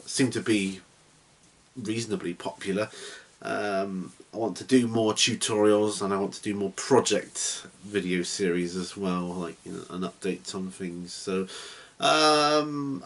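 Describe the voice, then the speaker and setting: A man hosting a casual question and answer vlog, chatty and a little rambling and self-deprecating. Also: on the low side. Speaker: hobby channel host.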